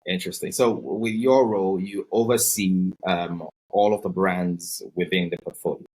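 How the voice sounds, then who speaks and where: A man hosts a podcast interview, asking long, friendly questions that wander and fill pauses with ums. His voice is very low and husky. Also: steady tone, a little mellow, low-quality recording. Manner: friendly, rambling, many fillers. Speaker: podcast host.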